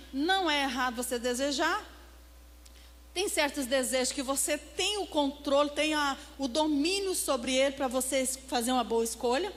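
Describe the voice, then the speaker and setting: Brief: woman pastor, high voice, preaching a sermon, long hall echo, checks in with the congregation as she goes. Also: fairly bright tone. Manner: preaching with repeated "amém?" and "né?" calls to the congregation. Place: church.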